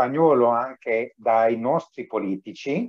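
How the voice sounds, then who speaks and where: A man talks at a very slow pace, his pitch varying in an ordinary way, with a quiet background behind him. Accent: English. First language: English (speaking Italian). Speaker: adult student. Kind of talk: casual chat. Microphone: video call.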